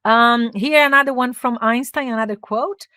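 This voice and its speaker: Lively Brazilian woman teaching, dry sound. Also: fairly high pitch, unhurried, no room sound. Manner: switches often between Portuguese and English, lively and chatty. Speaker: English communication coach. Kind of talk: casual teaching talk.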